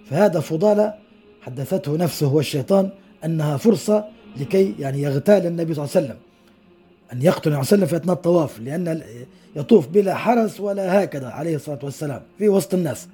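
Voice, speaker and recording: Fast, dark, husky-voiced male preacher. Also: on the high side. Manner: narrates hadith stories with explanatory asides, acts out quoted dialogue. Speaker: sheikh giving a religious lesson. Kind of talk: podcast religious lesson, storytelling.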